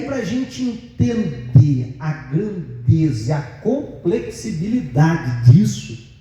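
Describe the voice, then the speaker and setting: A man with a Brazilian Portuguese accent preaching a sermon as pastor, telling stories and acting out the voices of the people in them. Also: on the high side. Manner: lively storytelling, acts out quoted voices. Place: church hall. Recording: echoey church hall, distant mic.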